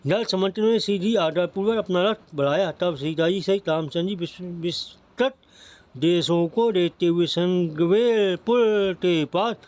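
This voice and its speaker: A man reading a Hindu devotional epic aloud as a steady recitation, often stumbling and restarting words. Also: high-pitched, measured pace. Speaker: scripture reader. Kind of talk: devotional scripture narration.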